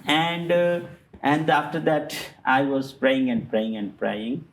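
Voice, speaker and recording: Man, halting, filler-heavy English. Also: mid-range voice, animated, a little hiss or hum, poor audio. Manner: halting non-native English with many fillers and restarts. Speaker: guest. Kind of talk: personal testimony in conversation.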